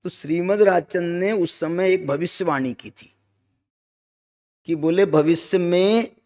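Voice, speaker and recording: A man giving a discourse on Jain scripture at an ashram, chanting verses slowly and teasing his listeners with jokes. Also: high-pitched, darkish tone. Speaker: scripture teacher. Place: ashram hall. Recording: long hall reverb.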